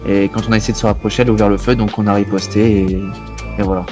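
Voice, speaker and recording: A man's voice: on the low side, little pitch movement, racing, over music, lightly acted. A man playing a police officer in an online game roleplay, giving a hesitant, matter-of-fact defensive account. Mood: defensive, factual.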